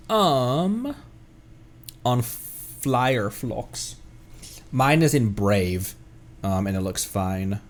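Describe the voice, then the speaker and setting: A man's voice: medium pitch, lively intonation, very slow, long pauses. A man who streams games as a VTuber, chatting casually and rambling as he thinks aloud. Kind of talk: casual livestream chat while gaming.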